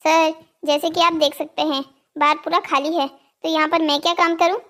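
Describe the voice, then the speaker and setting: Very high, earnest young boy voiced by a woman. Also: level tone, moderate pace, a bit bright. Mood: polite, uneasy. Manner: polite, earnest. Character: naive, dutiful, remorseful young boy. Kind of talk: scripted cartoon story dialogue.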